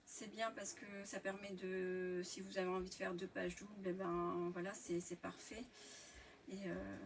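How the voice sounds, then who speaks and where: A woman's voice: lowish voice, flat delivery, moderate pace. A French woman hosting a live scrapbooking tutorial, talking casually with many fillers and restarts as she shows her materials. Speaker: scrapbooking workshop host. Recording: distant mic, faint background hiss.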